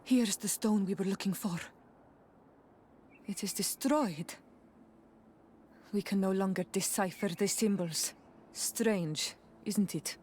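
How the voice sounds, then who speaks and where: A woman's voice: mid-range voice, slow pace, long pauses, darkish tone, a little hiss or hum, lightly acted. A woman playing a proud, defiant young tribal chieftain's daughter in a video game, speaking earnestly and firmly. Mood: serious. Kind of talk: video game cutscene acting.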